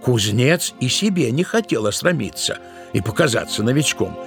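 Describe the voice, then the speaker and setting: A man narrating a literary tale as part of an audio drama, in an expressive, dramatic storytelling manner. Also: medium pitch, normal speed, creaky, music in the background.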